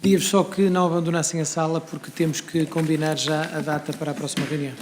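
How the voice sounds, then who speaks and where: A man's voice: on the high side, level tone, quick pace. A man chairing a parliamentary committee, courteous and formal. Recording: echoey room with faint background noise.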